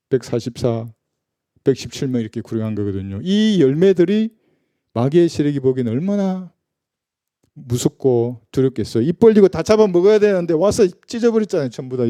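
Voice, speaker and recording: A male pastor with a very mellow, warm tone and a fairly high pitch, preaching in a chatty, conversational way. He keeps asking his listeners rhetorical questions, and the sound is dry and close. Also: no room sound. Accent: Gyeongsang Korean. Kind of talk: sermon. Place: church.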